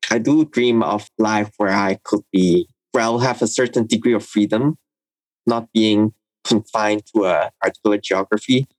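A young man from Indonesia, speaking thoughtfully in a recorded interview and pausing with fillers as he reflects. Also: fairly low pitch, no room sound, poor audio. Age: young adult. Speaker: interviewee, university student.

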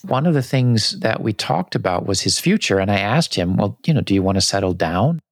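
Male podcast host, low voice, dry close mic, calm conversational links. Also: a little fast, no echo. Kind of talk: hosting, introducing recorded clips.

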